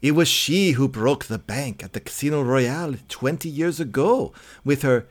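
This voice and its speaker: A man's voice: medium pitch, normal speed, close to an everyday voice. A man voicing a kindly white-haired old gardener, once a nobleman, who speaks in a courteous, soothing way.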